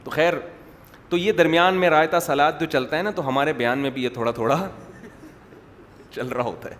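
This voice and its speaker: A man's voice: on the high side, a bit bright. A man preaching a sermon, talking in a chatty, joking storytelling way. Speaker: Islamic preacher. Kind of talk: sermon with humorous digressions. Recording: echoey hall with faint background noise.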